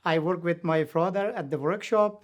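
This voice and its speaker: A man from Afghanistan, a native Dari speaker, answering interview questions in simple, halting English with an Afghan accent. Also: a little high. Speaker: master potter, interview guest.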